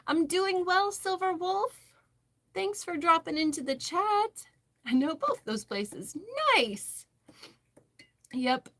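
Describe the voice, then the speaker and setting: A woman's voice: extremely high pitch, animated, slow pace, pauses often, a bit bright. An American woman hosting a casual livestream, chatting and answering viewer comments as she goes. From western Massachusetts, United States. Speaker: livestream host, crocheter.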